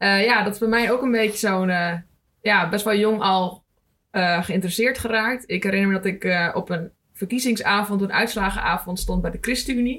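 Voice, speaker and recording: Here a woman talks at a moderate pace in a medium pitch. Her intonation is fairly even and her loudness very even. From Netherlands, Amstelveen. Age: 20s. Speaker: city councillor and researcher. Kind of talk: casual interview. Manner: hesitant, many fillers.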